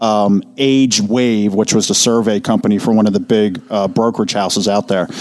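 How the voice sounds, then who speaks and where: This man has an ordinary speaking voice, fairly low in pitch, with fairly even intonation and very even loudness. He keeps a moderate pace with hardly any pauses. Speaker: financial advisor. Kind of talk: radio show discussion.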